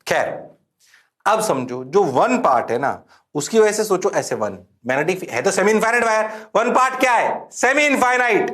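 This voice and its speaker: A man teaching physics in an animated, playful exam-prep lecture, who teases his students and answers for them in a low mumble. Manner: playful, teasing, sings out exclamations; mimics students' replies in a low voice.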